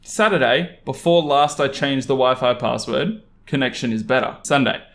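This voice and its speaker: A young man from Australia reads online stories as a host, adding casual, animated and exasperated commentary. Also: mid-range voice, normal speed. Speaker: YouTube host reading Reddit stories. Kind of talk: story reading with casual commentary.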